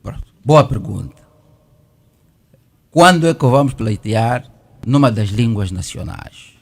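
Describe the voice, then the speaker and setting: A man's voice: medium pitch, animated, unhurried, gravelly. A middle-aged man from Malanje with an Angolan Portuguese accent, a lawyer on a debate panel who argues persistently and keeps talking through interruptions. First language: Kimbundu.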